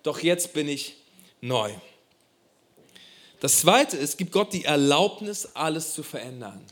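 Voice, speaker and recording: A man with a fairly high voice delivers a sermon to a congregation. He preaches animatedly and talks directly to his listeners, often asking them questions. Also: sing-song, slow pace, a bit bright. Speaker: pastor.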